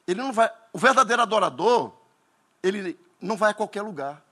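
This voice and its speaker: A Northeastern Brazilian man preaching a Pentecostal sermon, telling stories dramatically and bursting into shouts. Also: high-pitched, lively intonation, fairly quick.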